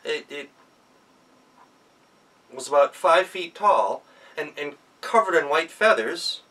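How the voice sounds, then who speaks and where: Animated American man telling a folktale. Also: fairly high pitch, distant mic. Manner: dramatic pauses and repetition. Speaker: professional storyteller.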